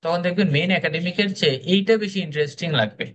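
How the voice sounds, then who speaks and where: Fast-talking young male trainer. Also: sits high, fairly bright tone, a little hiss or hum. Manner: casual, encouraging, many fillers. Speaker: speaking club trainer. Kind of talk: orientation class talk.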